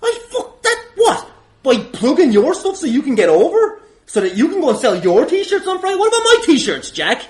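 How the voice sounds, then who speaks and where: A man's voice: very high voice, huge pitch swings, moderate pace. A man hosting a wrestling podcast, arguing indignantly and comically with plenty of swearing. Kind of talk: improvised comedic argument on a podcast.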